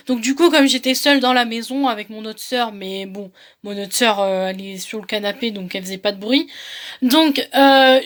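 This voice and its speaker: High-voiced young woman vlogging. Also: a bit bright. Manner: rambling, repetitive, hesitant phrasing. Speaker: book vlogger. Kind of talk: casual vlog monologue.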